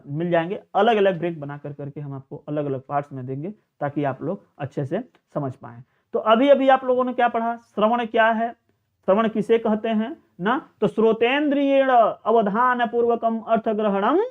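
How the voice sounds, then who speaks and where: Man, teacher, high voice, exam-prep lecture, tinny phone-like recording. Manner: slow chanting of verses; repeats and restarts phrases.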